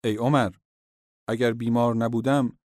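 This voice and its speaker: A man voicing a defiant, sick old male tribal chief in a raised, forceful delivery. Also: mid-range voice, little pitch movement, no room sound, clean studio sound, pitched above the performer's own voice, natural voice.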